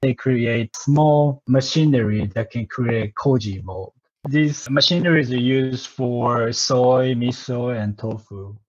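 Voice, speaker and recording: A man's voice: mid-range voice, slow pace, a little mellow, highs cut off. A man in his thirties from Japan who grew up partly in Southern California, talking conversationally as an interview guest. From Japan, moved to Southern California at twelve. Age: 30s. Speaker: interview guest, sake company representative.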